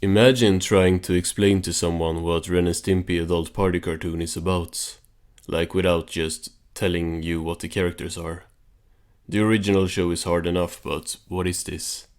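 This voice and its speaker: A man giving casual, informal recap commentary on a cartoon in a deadpan manner. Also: deep voice, normal speed, smooth, faint music behind.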